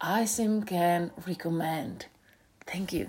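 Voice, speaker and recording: In a Czech accent, the speaker talks very slowly with a dark, mellow tone. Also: woman. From Czech Republic. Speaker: youth basketball coach. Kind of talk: recorded monologue.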